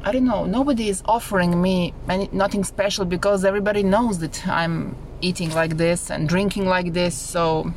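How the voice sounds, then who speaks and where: Serbian-accented woman, low gravelly voice, earnest home-video testimony, faint room hum. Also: moderate pace, few pauses, rough recording. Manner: earnest, simple phrasing with small slips. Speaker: program member sharing testimony.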